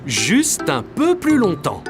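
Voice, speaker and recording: A warm cartoon father, talks patiently and encouragingly as if to a small child. His melody swings very widely and his pace is slow, with music underneath. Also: high-pitched, huge pitch swings, full character voice. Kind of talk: children's cartoon dub acting. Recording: music behind the voice.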